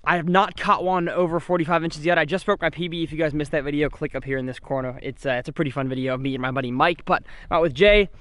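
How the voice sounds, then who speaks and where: Young male fishing vlogger, excitable and chatty, out on a boat, on a chest-mounted camera. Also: a little high, quick pace, hardly any pauses, no room sound. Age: young adult. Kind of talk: casual fishing vlog. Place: outdoors on a fishing boat on a lake.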